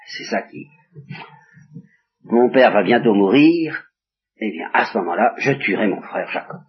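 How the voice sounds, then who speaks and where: Husky man reading and explaining scripture. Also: mid-range voice, sing-song, unhurried. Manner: reads quoted speech with small voice changes, breaks off to explain. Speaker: Bible teacher. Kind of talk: reading and commenting scripture to listeners. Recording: dull lo-fi 1960s tape recording.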